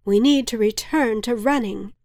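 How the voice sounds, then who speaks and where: A woman's voice: a little high, moderate pace, a little mellow, dry recording, clean studio sound, close to an everyday voice. A woman voicing an anxious man who mutters fretfully as he paces.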